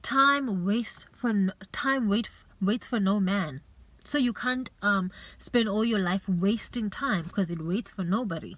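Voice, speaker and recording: A woman's voice: medium pitch, a little slow, dry recording. A woman giving an earnest, faith-based motivational talk as a vlogger, urging and repeating herself, with plenty of "you know".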